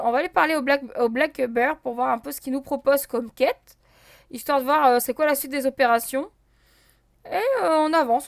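A woman's voice: sits high, vocal fry, dry recording, studio quality. A woman casually commenting on her gameplay as a let's play host, thinking aloud with many fillers and talking to her viewers. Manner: counts and checks items out loud.

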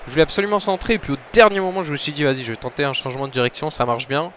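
A man narrates his football video game match, his voice sitting a bit higher than most men's. He talks low and quiet between plays and bursts into shouts at the big chances. Faint outdoor noise hums behind him. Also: racing. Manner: excitable, shouts at goals, mutters between plays. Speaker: gaming commentator.

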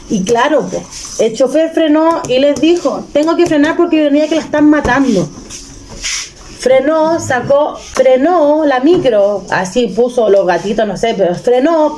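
A woman's voice: on the high side, mellow. A Chilean woman in her thirties, casually retelling a personal story with emotion and many restarts. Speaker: vlogger.

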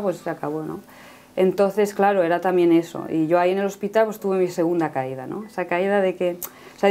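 Woman in her 30s sharing her testimony, mellow warm tone, keeps tagging "no?" onto her sentences. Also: medium pitch. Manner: earnest, ends phrases with a questioning "no?". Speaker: guest giving a faith testimony. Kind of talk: personal testimony in conversation.

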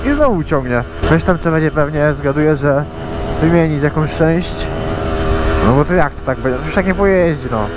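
A man's voice: on the high side, lively intonation, normal speed. A man talking casually to viewers while riding a motorcycle outdoors, filmed on a rider-mounted camera. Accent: Polish. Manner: chatty, addresses viewers directly. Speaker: motovlogger. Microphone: helmet or chest camera mic. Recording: loud engine and wind noise. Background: loud engine and road noise.

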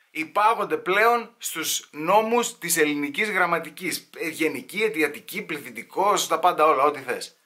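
Male comedian, home storytelling set, bright-toned, chatty and slangy. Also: fairly high pitch. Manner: animated, slangy, switching into mock voices.

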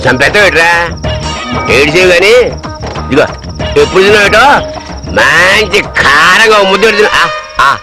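A man's voice: high voice, expressive, normal speed, long pauses. An actor playing a comic, boozy middle-aged village cook and father, with film score music behind him. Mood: teasing. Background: film background score.

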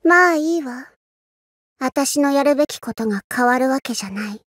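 A woman playing a mysterious scheming villainess in an anime teaser, speaking in a composed, haughty, deliberate way. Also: sits high, animated, no room sound, studio quality. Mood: cool, brooding. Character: mysterious scheming female villain, coolly observing and creating monsters. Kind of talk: scripted anime teaser voice-over.

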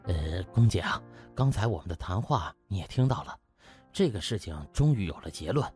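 A man voicing a hesitant, evasive male hospital director in an audiobook, speaking haltingly. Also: deep voice, expressive, a little mellow, soft background music, pitched below the performer's own voice. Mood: awkward, apologetic.

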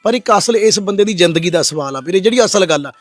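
A man's voice: high voice, lively intonation, fast, no echo. A middle-aged man from Punjab, a social worker, confronting villagers outdoors and questioning a rescued man. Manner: shouts angrily at villagers, then speaks softly to the rescued man. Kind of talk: on-the-spot confrontation and gentle questioning.

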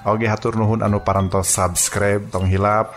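A man's voice: on the low side, flat delivery, moderate pace, soft background music. A man with a Sundanese accent narrating a scripted story dramatically as a radio storyteller.

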